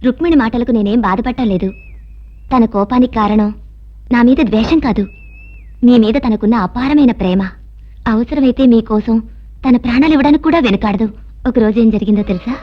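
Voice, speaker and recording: A woman playing a calm, wise adviser. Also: a little high, brisk, long pauses, lightly acted. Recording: dull film soundtrack with music.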